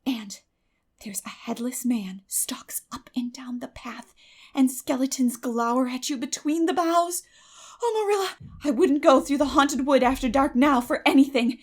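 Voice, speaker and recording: A woman's voice: high-pitched, measured pace, a little mellow, pitched above the performer's own voice. A woman voicing a terrified, imaginative little girl in a dramatic audiobook, breathless and melodramatic, with gasps and whispers. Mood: thrilled dread. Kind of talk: dramatic audiobook character acting.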